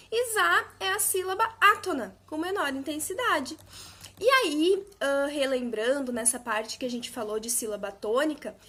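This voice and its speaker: A woman teacher with a high voice records a lesson for young pupils. She speaks patiently and draws out example words slowly, hitting the stressed syllable hard. Her tone stays simple and encouraging, aimed at children. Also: fairly bright tone. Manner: slow, patient, exaggerated syllable emphasis. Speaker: primary school teacher.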